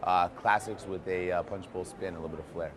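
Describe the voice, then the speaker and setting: A man's voice: low-pitched, steady tone, a little fast, a crowd in the background. A man speaking casually and informally as a restaurant chef explaining his work. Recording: clear background noise.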